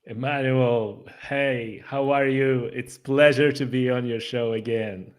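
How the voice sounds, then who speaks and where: Podcast guest: man with a Polish accent, mid-pitched, loose and conversational, full of fillers and restarts. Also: steady tone, slow. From Poland. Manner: chatty, with frequent fillers and restarts. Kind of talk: casual interview conversation.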